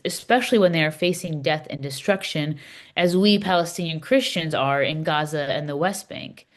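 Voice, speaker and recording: A woman plays an earnest Palestinian Christian woman leading a readers theater discussion. The voice sits a little low for a woman. The delivery is measured, welcoming and explanatory. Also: natural voice.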